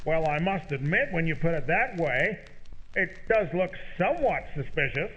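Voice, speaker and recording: Man playing a high-pitched, melodramatic, wordy crook. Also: expressive, moderate pace, fairly bright tone, lo-fi sound. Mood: sheepish. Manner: wordy, melodramatic, mock-polite. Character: pleading, slippery male thief, theatrically frightened and wordy. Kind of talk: old-time radio comedy acting.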